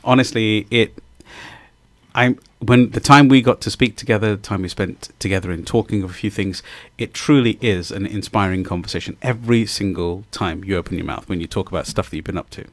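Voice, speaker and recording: A man hosting a live radio interview, effusive and rambling, with lively ups and downs in his voice. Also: on the low side, a little fast, no room sound. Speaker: radio host. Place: radio studio.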